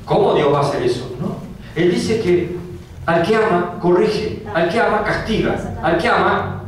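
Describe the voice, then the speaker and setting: A man's voice: high voice, lively intonation, moderate pace. A man with a Rioplatense Spanish accent preaching a sermon as pastor, emphatic and acting out dialogue. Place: church hall. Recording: echoey hall from far off, faint ambience.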